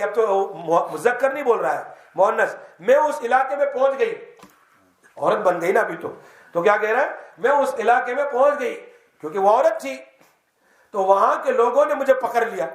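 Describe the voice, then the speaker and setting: A very high-pitched man gives a mosque lesson, acting out the story in the first person. He keeps stopping to quiz his listeners. The sound rings around an echoey mosque hall. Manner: lively storytelling, quizzes the audience; tells the tale in the first person. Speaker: Islamic teacher.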